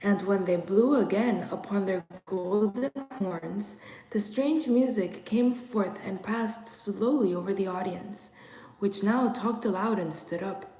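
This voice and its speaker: A woman reads a story aloud as a storyteller, taking her time over each phrase. Her voice is mellow and relaxed, with a dramatic, measured delivery. The room adds a noticeable echo. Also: medium pitch. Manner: measured, dramatic, hushed in places. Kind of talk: expressive literary story reading. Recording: roomy, echoing room sound.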